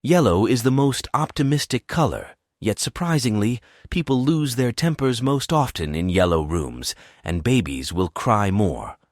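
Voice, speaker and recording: A man reading short practice passages aloud as a test-prep teacher, delivering them deliberately phrase by phrase. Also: mid-range voice, sing-song, no room sound, clean studio sound.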